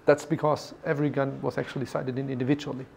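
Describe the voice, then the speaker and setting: A man's voice: mid-range voice, level tone, fast talker, vocal fry, a little mellow, slight background noise. A man in his forties with a German accent, guiding visitors through a workshop and explaining the steps with many fillers and restarts. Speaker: factory guide. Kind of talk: guided factory tour explanation. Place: large workshop hall indoors.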